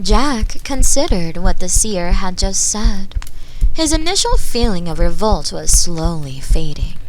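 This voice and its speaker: A woman reading a bedtime story in a soft, soothing ASMR style into a binaural mic. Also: mid-range voice, big pitch swings, unhurried, a little hiss or hum, poor audio.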